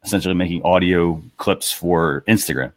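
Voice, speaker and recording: A man's voice: low-pitched, normal speed. A man hosting a talk show, casually explaining tools and tips to his audience and fellow panelists.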